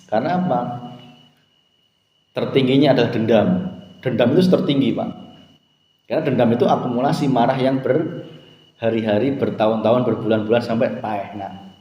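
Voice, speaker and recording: A man preaching a lively sermon to a congregation, asking them questions as he goes. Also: medium pitch, normal speed, pauses often, lo-fi sound. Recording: roomy hall with long reverb.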